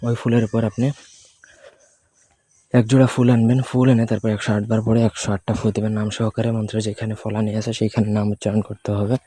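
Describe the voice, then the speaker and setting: A man from Bengal talks fast, walking his viewers through a ritual with matter-of-fact instructions. His voice sits low and dark, and he holds it on an almost level, flat pitch. He stops now and then to correct himself and keeps pressing straight on. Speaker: channel host teaching spells. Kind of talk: instructional talk to camera.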